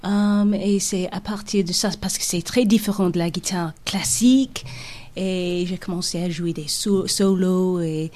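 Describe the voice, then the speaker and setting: Young woman, English accent in French, mellow voice. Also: fairly low pitch, fairly even intonation, a little slow. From England, Brighton on the south coast. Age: young adult. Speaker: guest, singer and musician. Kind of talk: radio interview chat.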